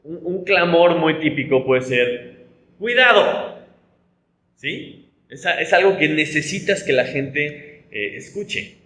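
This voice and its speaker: A man's voice: fairly high pitch, unhurried, a bit bright, roomy sound, poor audio. A man from Mexico with a Mexican Spanish accent, a pastor teaching a conversational Bible study, explaining with rhetorical tags and frequent restarts.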